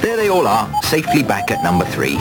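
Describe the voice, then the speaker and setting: A man's voice: medium pitch, huge pitch swings, brisk. A British man narrating a children's cartoon in a playful, exclamatory way, talking directly to young viewers. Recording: music running behind the voice. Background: cartoon music.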